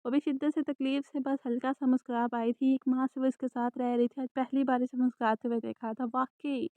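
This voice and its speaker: A woman narrating a romance novel in a soft, even storytelling manner. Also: high-pitched, no echo. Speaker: audiobook narrator. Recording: dry, tinny phone-like sound.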